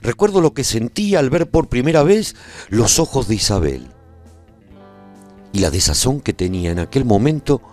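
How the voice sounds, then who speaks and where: A man's voice: medium pitch, very animated, normal speed, darkish tone, faint music behind, close to an everyday voice. A male actor playing a weary, nostalgic warrior who survived the end of the world, narrating his saga in a solemn, theatrical radio drama style. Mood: nostalgic, brooding. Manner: solemn, brooding, theatrical delivery. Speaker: narrator and protagonist of a radio serial.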